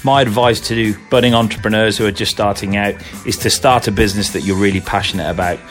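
Fast-talking man in his fifties. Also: fairly low pitch, steady tone, soft background music. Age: 50s. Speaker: entrepreneur giving advice. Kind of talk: recorded advice clip.

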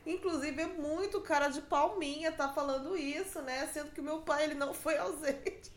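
A woman's voice: high-pitched, moderate pace, reverberant. A Brazilian woman hosting a podcast alone, chatting casually and mockingly with frequent laughs. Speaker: podcast host. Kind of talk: casual gossip monologue. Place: room at home.

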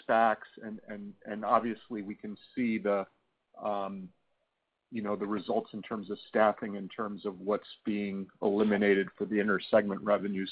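Male analyst phoning in questions to an earnings call, husky, halting delivery, thin telephone sound. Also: fairly low pitch. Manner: halting, searching for words. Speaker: financial analyst asking questions. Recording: narrow muffled phone line.

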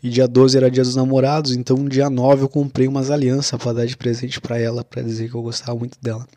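A man's voice: medium pitch, level tone, fast, dark tone, dry recording. A young man tells a personal story in a casual, confessional way. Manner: casual, confessional, with frequent "cara" and "né".

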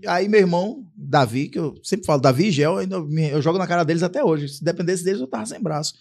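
A fast-talking man from Brazil, guest on a relaxed podcast. He tells stories with a lot of energy, acts out other people's lines and curses often. His voice sits a little high for a man. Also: creaky. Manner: animated storyteller acting out dialogue, swears freely. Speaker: guest, police sergeant. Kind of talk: casual podcast chat, storytelling.

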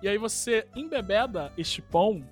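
Podcast co-host, Brazilian man, thirties, pitched high, excitable swearing banter. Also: normal speed, faint music behind. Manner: profane, joking, excitable. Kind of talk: casual chat.

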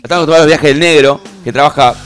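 A man's voice: on the high side, rapid-fire, soft background music. A man, a regular on a radio show, chatting casually and defending himself. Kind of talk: casual studio banter.

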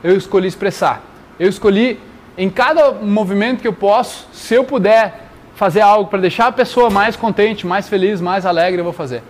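Earnest, slangy man with a high voice, sharing advice casually over faint noise. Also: moderate pace. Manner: slangy, earnest, addresses listener directly. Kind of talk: casual motivational talk.

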